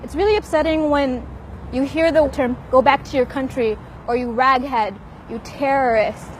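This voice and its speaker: A young woman answers with lively, sarcastic animation. Her voice sits fairly high. She speaks outdoors with a faint hum of noise around her. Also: moderate pace, rough recording. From born in Pakistan, raised in the United States. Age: young adult. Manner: animated, mimics others' questions with sarcasm. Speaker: university student interviewee. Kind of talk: candid interview answers.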